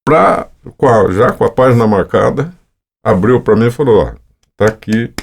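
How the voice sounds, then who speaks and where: Man, 70s, from Brazil, lively animated delivery, casual anecdotes. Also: mid-range voice, moderate pace, gravelly, breathy edge. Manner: rambling, anecdotal, with frequent fillers. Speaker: voice-over artist guest. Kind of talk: casual storytelling interview.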